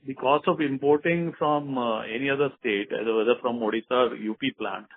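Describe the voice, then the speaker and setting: A man's voice: medium pitch, a little fast. A man with an Indian accent answering as a company executive on a business call, repeating phrases for emphasis. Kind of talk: answering questions on an earnings call. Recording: tinny muffled phone line.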